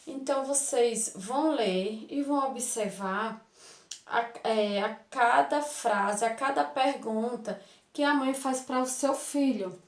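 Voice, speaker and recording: A Brazilian woman teacher with a Brazilian Portuguese accent, explaining a grammar lesson to children slowly and affectionately, often checking with "right?". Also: a little high. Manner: reads dialogue aloud with expressive intonation. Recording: echoey room.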